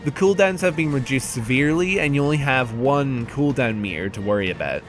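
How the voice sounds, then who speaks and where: A man with a medium-pitched voice presents a scripted game review. His delivery is conversational and candid, with a wry streak. Music plays faintly behind him. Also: expressive, brisk.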